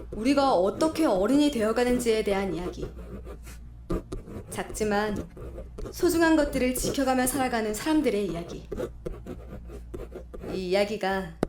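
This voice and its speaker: A woman voice actor playing an earnest young woman writer in an audio drama, with a soft, sincere and reflective delivery. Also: a little high, noisy background, lightly acted. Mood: quietly resolved.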